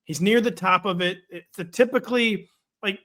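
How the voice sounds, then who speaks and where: A man co-hosting a casual sports chat, wry and joking, talking quickly and loosely. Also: sits high, a bit bright. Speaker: podcast co-host. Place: home in the Midwest.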